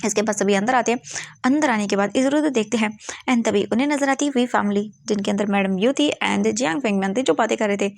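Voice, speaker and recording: Gravelly-voiced woman retelling a story. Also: mid-range voice, fast talker, dry recording. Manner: casual, chatty. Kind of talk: retelling a fan fiction story.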